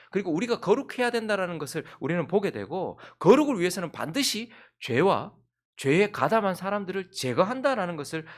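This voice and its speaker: Lively middle-aged Korean pastor preaching. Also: male voice, sits high. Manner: animated storytelling with family anecdotes. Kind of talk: dawn service sermon.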